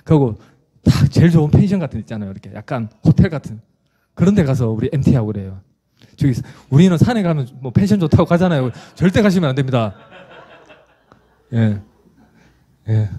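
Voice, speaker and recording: A middle-aged man, a pastor preaching and telling a story in an animated way, with frequent restarts. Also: mid-range voice, a little fast, pauses often, husky. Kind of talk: sermon with storytelling.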